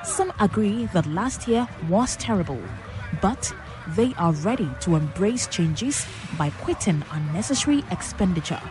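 A woman's voice: mid-range voice, lively intonation, measured pace, low-quality recording. A woman with a Ghanaian accent narrating a scripted radio news report as the reporter. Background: music under the voice.

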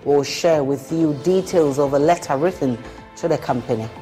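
A woman with a Ghanaian accent reading the news headlines in a measured, formal way. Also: low voice, mellow, soft background music. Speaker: news anchor.

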